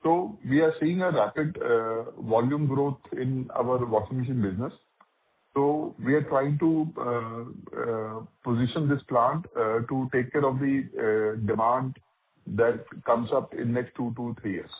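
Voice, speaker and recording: A man's voice: medium pitch, measured pace, slight background noise. A man with an Indian accent, speaking as a company executive and explaining business matters on a call. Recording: narrow phone line, radio-like.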